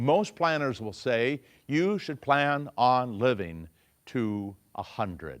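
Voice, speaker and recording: A man speaks very slowly at a medium pitch, his voice swinging very widely up and down, on a very clean recording with a silent background. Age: 60s. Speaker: financial educator. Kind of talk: lecture.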